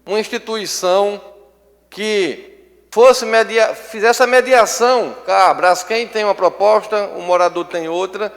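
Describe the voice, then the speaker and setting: A man, a state legislator, giving a measured floor speech with hesitant pauses. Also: high-pitched, gravelly. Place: legislative assembly chamber. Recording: long reverb of an assembly chamber.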